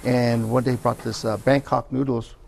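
Gravelly man recommending brunch spots. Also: medium pitch, little pitch movement, moderate pace, darkish tone, slight background noise. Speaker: show panelist. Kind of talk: restaurant review chat.

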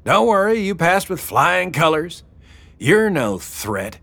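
A man reading an audiobook, voicing a loud, crude older woman who leads an eco-gang and bellows and cackles. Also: high-pitched, sing-song, slow, creaky, dry recording, pitched above the performer's own voice, heavily acted. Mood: mocking.

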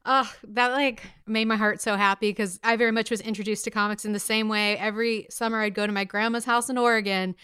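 A woman's voice: mid-range voice, steady tone, fast talker, hardly any pauses, pushed and bright, clear, resonant tone. An American woman hosting a casual interview, chatty and enthusiastic as she asks her questions. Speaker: podcast host, interviewer.

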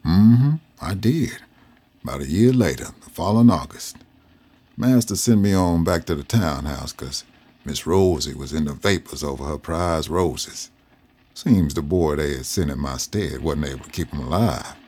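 Deep-voiced older man telling his story. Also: dark tone. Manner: slow, plainspoken, folksy. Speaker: narrator recalling his youth. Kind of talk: storytelling in an interview.

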